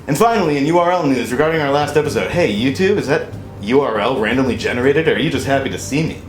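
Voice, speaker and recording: A man's voice: medium pitch, lively intonation, fast talker, echoey room, soft background music. A man hosting a scripted comedy news segment in a performative, jokey manner. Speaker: comedy show host.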